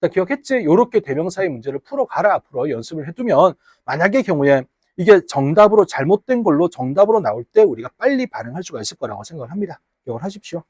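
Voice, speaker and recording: Lively, husky-voiced man teaching a class. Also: a little high, fast talker, few pauses, no room sound. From Gyeongsang region, Korea. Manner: teasing, chatty, banters with students. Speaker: high school English teacher. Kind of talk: casual classroom lecture. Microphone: wearable mic.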